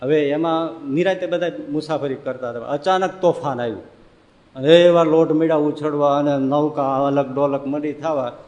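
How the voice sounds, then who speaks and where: A man with a high, ringing voice delivers a lively storytelling sermon. He builds his points through rhetorical questions and often laughs along the way. A long reverb trails his words, as if he is speaking in a large hall. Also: normal speed, dull audio. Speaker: spiritual speaker.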